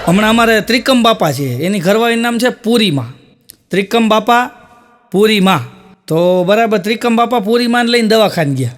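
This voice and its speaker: A man telling folksy comic stories in a Gujarati accent, unhurried and slowing down for the punchlines. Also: sits high, expressive. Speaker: stand-up comic.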